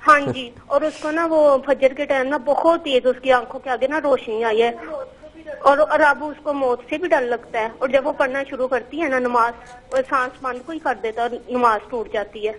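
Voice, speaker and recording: High-voiced woman caller, hesitant. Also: fairly even intonation, fairly bright tone, low-quality recording. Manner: hesitant, rambling, full of fillers. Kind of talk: phone-in question.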